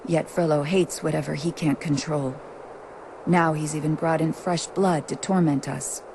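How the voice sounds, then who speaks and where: A woman's voice: deep voice, fairly even intonation, moderate pace. An actress playing a proud, kindly young gypsy woman in a video game, composed, frank and defiant. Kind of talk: video game cutscene dialogue. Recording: game audio with clear background noise.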